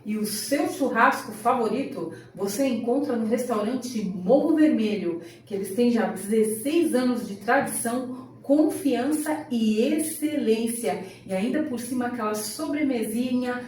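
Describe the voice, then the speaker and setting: A Brazilian woman reads sponsor ads with an upbeat sales lilt. Her fairly high voice sits well back from the mic. A heavy roomy echo and a faint hiss hang around every line. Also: darkish tone, far from the mic. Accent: Brazilian Portuguese. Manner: upbeat sales pitch with a drawn-out tagline. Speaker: podcast co-host reading sponsor ads. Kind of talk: scripted ad reading.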